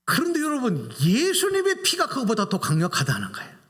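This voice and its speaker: A man's voice: very high voice, wildly swooping pitch, a little fast, a bit bright. A male pastor giving a Sunday sermon in a church sanctuary, preaching with animation and putting questions to the congregation. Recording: reverberant church hall.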